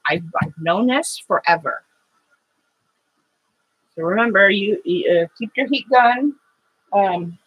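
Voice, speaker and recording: A middle-aged woman hosting a live watercolor painting stream, chatting with viewers between steps in a loud, halting way full of fillers. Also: mid-range voice, husky, muffled recording. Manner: loud voice by her own account, halting with fillers and restarts. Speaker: watercolor livestream host.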